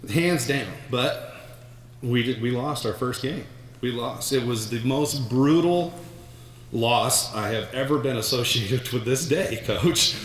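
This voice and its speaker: A man's voice: mid-range voice, a bit bright, a little hiss or hum. A middle-aged man giving a hall of fame acceptance speech, telling stories with many restarts and repeated words. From United States. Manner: rambling storyteller with many restarts. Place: large hall. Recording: echoey hall.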